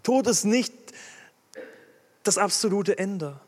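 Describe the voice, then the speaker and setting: A man's voice: high-pitched, takes it slowly, a little mellow, in a large hall. A man preaching a sermon with emphasis, putting direct questions to his listeners.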